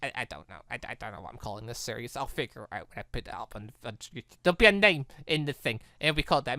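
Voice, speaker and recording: A gaming YouTuber delivers let's-play commentary in a chatty, rambling, enthusiastic way. His medium-pitched voice is pushed and bright, recorded with clean studio sound and no echo.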